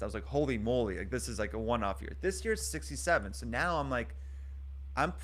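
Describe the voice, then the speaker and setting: A man's voice: medium pitch, a bit bright. Chatty, self-deprecating man co-hosting. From Los Angeles, United States. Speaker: co-host. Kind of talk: casual market talk show.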